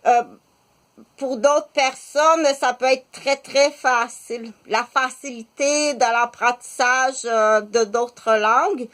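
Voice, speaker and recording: A woman in her fifties with a Québécois French accent, talking slowly in a halting monologue full of filler pauses. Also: a little high, fairly even intonation, a bit bright. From Quebec. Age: 50s. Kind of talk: casual spoken monologue.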